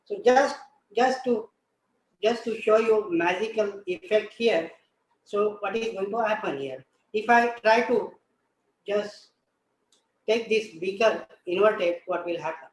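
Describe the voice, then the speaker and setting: A man with an Indian accent hosts a live science demonstration, explaining deliberately and repeating his phrases and questions. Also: high voice. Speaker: science show host. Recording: echoey room, faint background noise.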